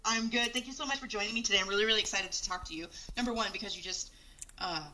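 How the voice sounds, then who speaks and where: Female podcast host, sharp bright tone, enthusiastic interviewer. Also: mid-range voice, rapid-fire, rough recording. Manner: upbeat, friendly interviewer.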